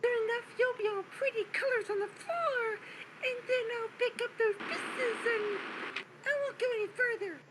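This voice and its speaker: A man's voice: extremely high pitch, normal speed, pitched above the performer's own voice. A man voicing a cute, whiny little girl character in a fan game, sing-song and teary, in a noisy recording. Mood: cute menace.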